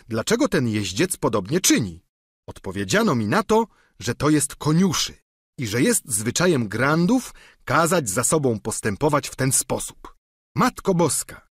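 A man reading as an eager, plain-spoken peasant squire from an old storybook, his husky voice rising and falling in lively swings. The sound is close and dry, with no room around it. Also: mid-range voice, no room sound, pitched above the performer's own voice. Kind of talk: audiobook character reading.

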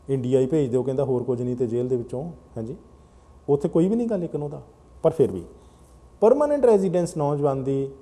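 Mellow-voiced male call-in host. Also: mid-range voice. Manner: patient, explains at length to callers. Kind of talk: call-in talk show hosting. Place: TV studio.

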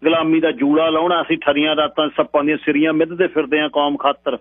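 A man's voice: on the high side, little pitch movement, fast talker, pitched above the performer's own voice, lightly acted. A man doing a nervous young villager. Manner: nervous, respectful. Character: young newly married village man, frightened. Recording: tinny radio broadcast with mains hum.

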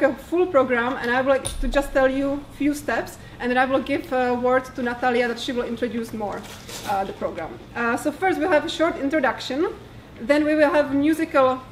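A young woman with a Czech accent, opening a lecture event, talking fast with many fillers. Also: sits high, slight background noise, poor audio. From Czech Republic. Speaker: event organizer. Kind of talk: introducing a public lecture. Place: small lecture hall.

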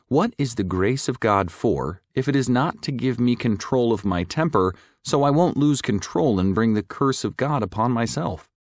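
A man reads a religious book aloud as an audiobook narrator. His voice is fairly low and moves expressively up and down, with measured, clearly enunciated phrasing. The sound is dry and close, free of room echo.

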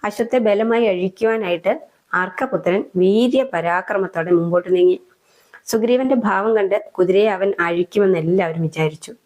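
A woman narrating a devotional epic as a story, in unhurried, reflective short phrases with soft fillers. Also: medium pitch.

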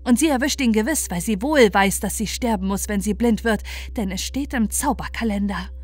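A woman's voice: mid-range voice, normal speed, lightly acted. A woman voicing a sly, wicked queen in a fairy tale, insistent and persuasive. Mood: spiteful. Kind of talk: storybook character voice.

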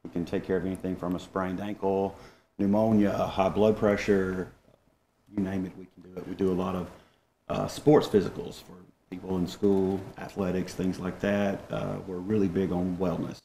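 A man in his forties, a clinic manager guesting on a local TV show, plain-spoken and steady. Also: low voice, moderate pace, roomy sound, slight background noise. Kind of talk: TV interview guest. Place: TV studio set, seated in armchair. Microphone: lapel mic.

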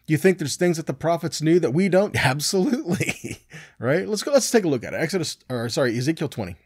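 Animated middle-aged man teaching scripture. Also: on the high side, quick pace, slightly rough, no room sound, studio quality. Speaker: Bible teacher. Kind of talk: conversational scripture teaching, reading verses and explaining.

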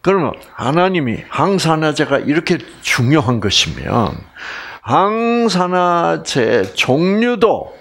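Lively, unhurried male health lecturer. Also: fairly high pitch. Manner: lively, asks the audience questions and jokes with regional sayings.

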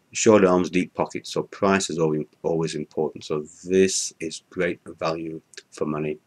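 With a very low, slightly husky and a little mellow voice, an older Yorkshire man reviews a product unscripted, addressing a webcam from an indoor room before a curtain. His delivery comes in halting bursts, padded with ums and uhs and peppered with restarts.

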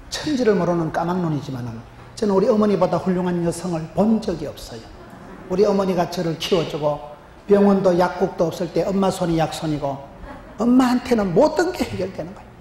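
On a large church stage with a chalkboard, a middle-aged pastor from Gyeongsangbuk-do delivers an animated, funny sermon in a heavy Gyeongsang dialect through a handheld mic. He's emphatic and gestures constantly, sinking his voice low to land the punchlines. Roomy hall reverb and faint noise color the sound.

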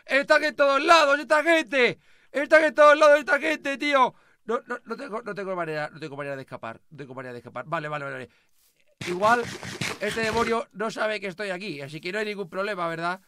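Very high, panicky Spanish man. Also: quick pace, noisy background. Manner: panicky, stammering, whining and shouting. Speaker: roleplay host. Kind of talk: Minecraft roleplay chat.

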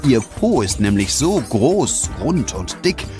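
A male narrator tells a children's audio drama from a script. His delivery is expressive, with lively, moving pitch. Clear music runs behind the voice. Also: slow pace. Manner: expressive storytelling.

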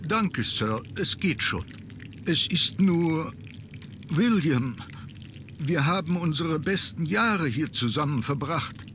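An actor playing a grieving, deferential old butler in an adventure game, speaking haltingly. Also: male voice, on the high side, animated, a bit bright, a little hiss or hum, heavily acted. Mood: subdued, sorrowful. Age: older. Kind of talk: scripted adventure game dialogue.

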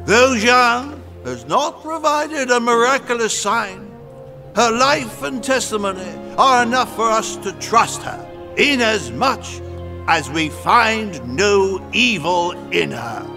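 A man's voice: high-pitched, animated, slow pace, music in the background, exaggerated voice. A man playing a grave, learned friar and theology dean in an audio drama, formal and oratorical. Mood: solemn.

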